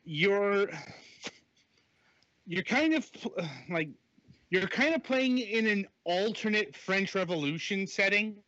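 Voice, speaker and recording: A man's voice: sits high, slow pace, long pauses, pushed and bright, dry recording. Man on a dull phone mic. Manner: hesitant, many fillers and restarts. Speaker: podcast co-host reviewing games. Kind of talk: casual chat.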